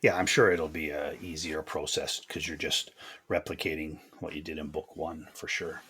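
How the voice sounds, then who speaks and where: A man's voice: rumbling low, flat delivery, normal speed, fairly bright tone, a little hiss or hum. A man hosting a podcast, asking questions in an easygoing, chatty way. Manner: easygoing, chatty, laughs along. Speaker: podcast host. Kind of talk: casual interview chat.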